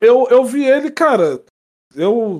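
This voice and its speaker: A man speaks with lively intonation. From Brasília, Brazil. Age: 30s. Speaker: podcast co-host and editor. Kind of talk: casual chat.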